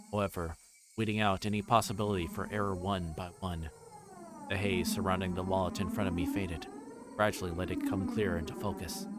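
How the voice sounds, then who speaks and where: Low-voiced man reading aloud, noisy recording. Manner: stumbles over words and rereads them. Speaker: streamer reading a visual novel aloud. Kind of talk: reading game narration aloud on a livestream. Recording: clearly noisy background.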